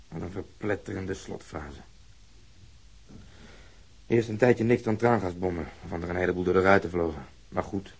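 An actor playing a cynical police detective in a radio drama, with dry sarcasm and drawn-out emphasis. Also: male voice, sits low, gravelly, husky, heavily acted.

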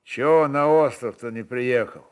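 A man's voice: mid-range voice, measured pace, clean tone, close to an everyday voice. A man voicing a brooding, blunt Cossack chieftain, a father, who muses in plain folksy dialect. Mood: reproachful.

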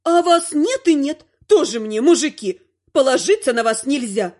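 A man voicing a sharp-tongued, bossy old grandmother who scolds and shouts. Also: very high voice, expressive, normal speed, voice pushed up. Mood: reproachful.

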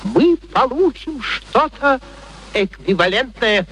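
An actor playing an imperious, eccentric, impatient professor in a radio play, peremptory and sardonic in a theatrical way. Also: male voice, very high voice, lively intonation, slow pace, fairly bright tone, heavily acted. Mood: amused, declaiming. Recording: old radio recording, faint noise.

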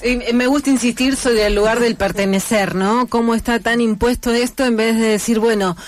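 A woman's voice: a little high, fairly even intonation, a little fast. A woman with a Rioplatense accent, speaking in an earnest, reflective way as a guest in a radio studio. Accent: Rioplatense Spanish. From Argentina. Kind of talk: casual radio conversation.

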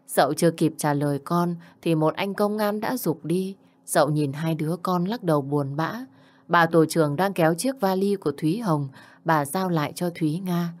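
Low-voiced woman narrating a story. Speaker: audiobook narrator.

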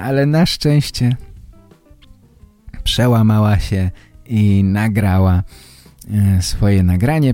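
Slow, mellow male podcast host. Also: fairly low pitch. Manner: deliberate, carefully phrased. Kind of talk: podcast presenting to language learners. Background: guitar music.

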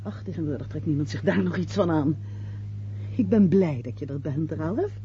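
An actress playing a domineering, practical middle-aged show-business mother and hostess in a Dutch radio play, with a brisk, theatrical manner. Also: sits low, dark tone, slight background noise. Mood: wounded, composed. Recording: dull lo-fi radio play recording.

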